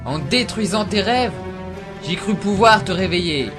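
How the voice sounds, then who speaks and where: A man's voice: sits high, animated, measured pace. A man playing a grave, theatrical warrior who is cold but secretly loving, in an amateur anime parody. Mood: sorrowful, resolute. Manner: solemn, theatrical, shouts attack names. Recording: amateur recording under loud music.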